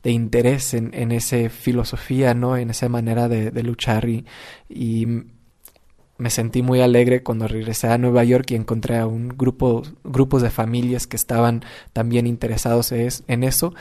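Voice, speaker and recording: A man's voice: medium pitch, monotone, moderate pace, mellow. A young man, a community organizer, telling his story with many restarts and fillers. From United States. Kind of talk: personal storytelling.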